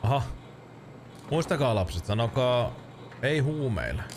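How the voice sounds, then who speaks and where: Thirties man streamer, rambling and joking, lots of swearing, animated voice. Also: mid-range voice, noisy background. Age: 30s. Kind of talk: casual let's-play commentary.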